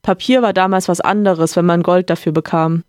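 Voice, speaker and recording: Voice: medium pitch, fairly even intonation, a little fast, a little mellow, no room sound, studio quality, natural voice. A podcaster reading a novel aloud, voicing an agitated, protesting cavalry captain who stammers in a raised voice. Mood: indignant flustered. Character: indignant cavalry captain, flustered older man.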